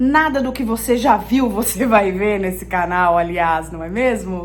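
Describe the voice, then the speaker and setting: Music plays in the background as a woman speaks fairly slowly at a fairly high pitch, with very wide pitch swings and audible room echo. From São Paulo state interior, Brazil. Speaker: online Bible study teacher, psychoanalyst. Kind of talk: Bible study talk.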